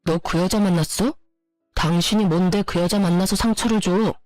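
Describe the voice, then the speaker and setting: A woman's voice: lowish voice, steady tone, moderate pace, darkish tone, no echo, faint music behind, close to an everyday voice. A woman voicing a cheating husband who confronts his wife in a spoken story. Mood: accusing. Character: cheating husband, accusing and defensive.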